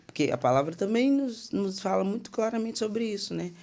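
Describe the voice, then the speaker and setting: A young woman telling a personal testimony on a podcast, animated, acting out the people she quotes. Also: medium pitch, fairly quick. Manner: animated, acts out quoted dialogue. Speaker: guest singer. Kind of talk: podcast testimony, casual storytelling.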